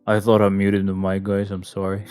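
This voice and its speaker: A man's voice: low voice, darkish tone, clear, resonant tone. A man streaming a game, chatting casually and muttering and swearing at what happens on screen. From Albania. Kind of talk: casual gameplay chat.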